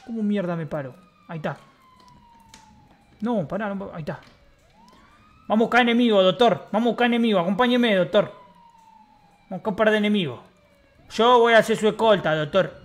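A man with an Argentine accent, streaming in-character game role-play. His voice sits high, and his talk is brash, mocking and swaggering. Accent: Argentine Spanish.

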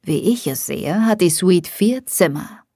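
A woman voicing a flirty adult rockstar husband in an audiobook, speaking in a low murmur. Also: expressive, measured pace, mellow, breathy edge, no room sound, clean studio sound, heavily acted. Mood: teasing.

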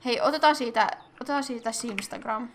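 A young woman hosting casual game commentary, chatty and excitable, thinking aloud and squealing at cute animals. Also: a little high, crowd noise. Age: young adult. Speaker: gaming channel host.

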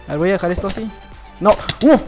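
High-voiced young gamer. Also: male voice, animated, fast talker, over music. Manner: playful, teasing opponents, bursts of laughter. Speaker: gaming youtuber. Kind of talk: casual gameplay commentary.

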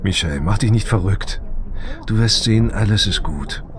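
An actor playing a desperate, awestruck husband in a science fiction audio drama, speaking haltingly and emotionally. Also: male voice, lowish voice, background noise, close to an everyday voice. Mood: tender, reassuring.

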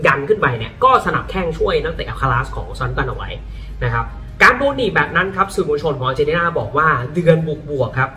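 A man talking about football in a casual, lively way, often breaking into exclamations. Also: a little high, quick pace, distant mic. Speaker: football pundit. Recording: voice a bit off-mic, faint music behind.

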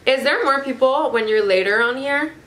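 A woman in her twenties from Canada, chatting casually with strangers on video calls and teasing them with deadpan jokes. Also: high voice, moderate pace, echoey room. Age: 20s. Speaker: host. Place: bedroom.

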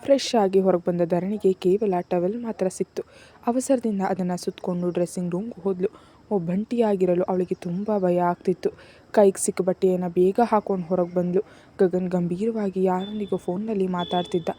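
A woman narrating a serialized romance novel in a steady, soft storytelling manner. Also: lowish voice, brisk. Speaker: audiobook narrator.

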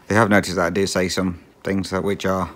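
A middle-aged English cross-stitch vlogger with a faint Australian twang speaks in a very low, level, slightly bright voice. He rambles casually while stitching, restarting sentences, filling pauses with ums and chuckling often.

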